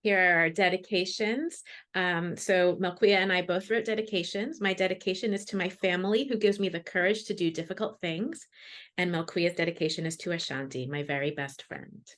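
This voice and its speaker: A woman's voice: lowish voice, steady tone, a little fast, fairly bright tone. A woman, a children's author, introducing and reading her picture book to classrooms over a video call.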